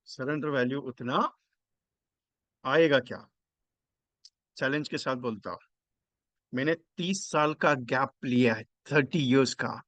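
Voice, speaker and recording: A man's voice: mid-range voice, measured pace, long pauses, a bit bright, no echo. A man running an online training session for insurance agents, working through figures step by step and repeating phrases for emphasis. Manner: mixes English into explanation, repeats phrases for emphasis; works through numbers step by step, asking the audience questions.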